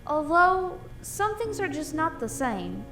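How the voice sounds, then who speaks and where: A woman's voice: sits high, very animated, takes it slowly, sharp tone, soft background music, exaggerated voice. A woman playing a tough but bashful female boxer, a cartoon animal in an audio drama, talking colloquially. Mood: warm, then sober.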